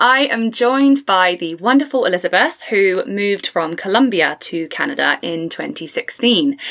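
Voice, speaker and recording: A woman with an English accent speaks at a fairly high pitch with lively intonation. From England. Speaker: podcast host. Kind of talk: casual interview chat.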